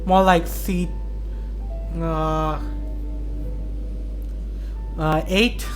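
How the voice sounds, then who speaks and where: Female gameplay commentator: casual, halting, thinking aloud, unhurried, slightly low, loud game music underneath. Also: little pitch movement. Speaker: gaming video creator. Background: video game music.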